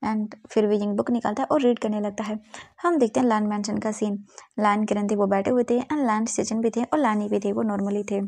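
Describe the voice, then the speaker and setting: A woman's voice: medium pitch, steady tone, a little fast, darkish tone, dry recording. A woman narrating a fan story casually, mixing English words into her telling.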